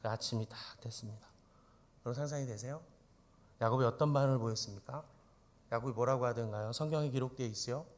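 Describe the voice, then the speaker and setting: A man's voice: mid-range voice, fast. A male pastor preaching an emphatic sermon in church, often turning to the congregation with rhetorical questions.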